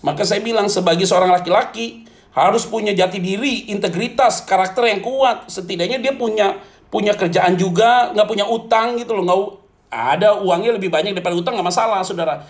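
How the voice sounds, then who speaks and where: A man preaching to a congregation as pastor, animated and jokey, often turning to address his listeners directly. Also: sits high, a little fast. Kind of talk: lively humorous sermon.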